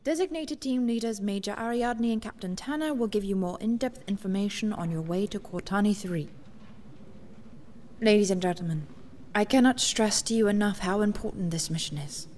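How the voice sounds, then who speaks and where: Actress as a poised, authoritative rebel leader. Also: female voice, medium pitch, moderate pace, darkish tone, a little hiss or hum, natural voice. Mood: solemn, commanding. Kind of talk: sci-fi audio drama acting.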